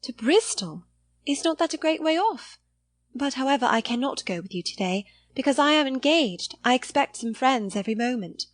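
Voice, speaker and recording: An earnest young lady from a period novel, acted by a woman narrator. Her voice is raised high and girlish, with an anxious, plaintive edge and polite phrasing. The recording is close and dry. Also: expressive, moderate pace, no echo. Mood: reluctant, polite. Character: anxious, earnest seventeen-year-old young lady, hopeful then despondent.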